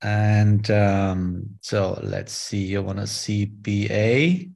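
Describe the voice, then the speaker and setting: A man from Germany with a German accent, speaking English as a second language. He presents a live online trading session and talks friendly and haltingly through charts, with many fillers, over a video call. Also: on the low side, steady tone, vocal fry, darkish tone.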